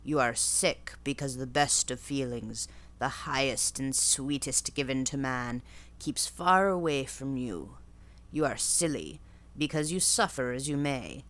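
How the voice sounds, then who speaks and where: Harsh old gypsy fortune-teller, voiced by a woman, low and deliberate, storybook crone. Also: animated, fairly bright tone, exaggerated voice. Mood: oracular. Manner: slow, low, emphatic pronouncements.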